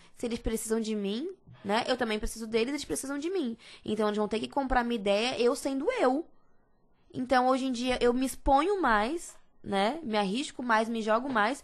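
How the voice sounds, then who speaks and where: This woman speaks at a moderate pace with a high pitch and ordinary pitch variation over a quiet background. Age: 20s. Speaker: singer. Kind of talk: casual chat.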